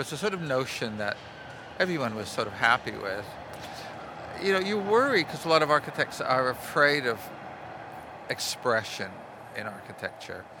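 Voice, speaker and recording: A man with a Canadian accent speaks at a moderate pace in a fairly high pitch, with very wide pitch swings, long, frequent pauses and noticeable background noise. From Canada, rural Niagara area, Ontario. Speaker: glass artist. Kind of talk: casual interview. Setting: on location at a subway station.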